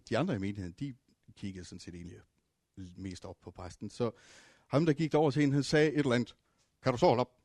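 A man preaching a sermon, telling stories with dramatic swings between loud and hushed passages. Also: mid-range voice, slightly rough, no room sound, studio quality. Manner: storytelling with fillers and restarts.

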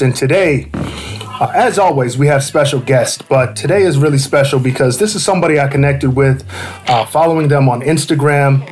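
A man's voice: on the high side, a little mellow. Enthusiastic man hosting a podcast. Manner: friendly, enthusiastic, filler-heavy. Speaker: podcast host. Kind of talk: casual podcast interview.

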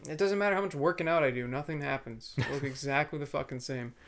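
A man's voice: a little high, quick pace, a bit bright. A young man co-hosting a podcast in casual chat, joking, swearing and laughing easily. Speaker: podcast co-host.

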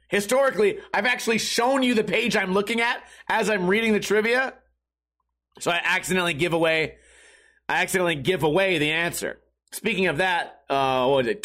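A hoarse man hosts a livestreamed podcast, his voice sitting high for a man. He rambles loosely and swears freely in easygoing chat. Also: moderate pace, sharp tone. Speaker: podcast and stream host.

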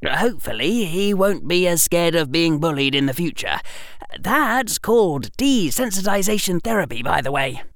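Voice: medium pitch, moderate pace, dry recording, studio quality, voice pushed up. A reader doing a smug, theatrical young boy wizard. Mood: explaining. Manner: lecturing, mock-villainous, deadpan. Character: clever theatrical eleven-year-old boy wizard. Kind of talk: audiobook reading.

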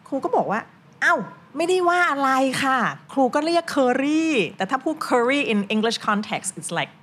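An older woman with a Thai accent, a retired English teacher chatting as a guest and switching between Thai and English. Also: sits high. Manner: animated, switches quickly between languages. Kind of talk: casual conversation mixing Thai and English.

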